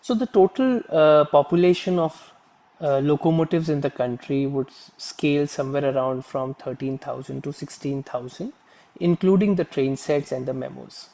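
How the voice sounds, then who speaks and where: A man with an Indian accent answering questions on an earnings call as a company executive, in a formal, measured, corporate manner. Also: fairly high pitch, warm tone.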